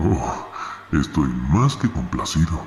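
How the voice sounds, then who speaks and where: A man does a put-on character voice, quiet and menacing, with a very deep, low pitch and very wide pitch swings. He goes at a fairly slow pace, with a slight echo and clear background noise. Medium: read story. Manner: quiet, cold, menacing.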